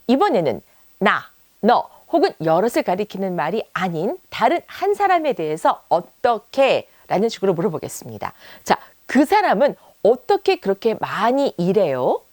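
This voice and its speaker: A woman teaching an English lesson on video, drawing out her example sentences slowly and voicing them with admiration. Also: mid-range voice, very animated, darkish tone, no room sound.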